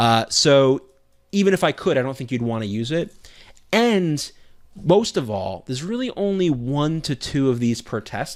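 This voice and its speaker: In a very clean recording with a silent background, a man with a fairly high pitch talks at a moderate pace with very wide pitch swings. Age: 30s. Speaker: test prep tutor. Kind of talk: live stream Q&A. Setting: live stream. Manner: casual, conversational with fillers.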